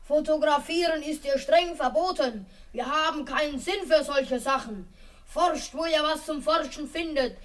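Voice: sits high, unhurried, fairly bright tone. A performer in a German children's radio play voicing a hearty, cheeky, confident schoolboy. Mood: solemn, declaiming. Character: hearty, always hungry schoolboy, would-be boxer.

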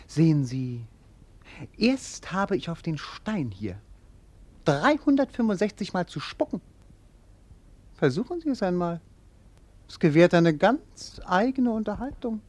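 Theatrical, bored young prince, wildly swinging pitch. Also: male voice, no echo. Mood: mocking, playful. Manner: declamatory, swinging between languid musing and mock excitement. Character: melancholy, bored young prince, witty and mocking. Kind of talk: theatrical German classic radio drama acting.

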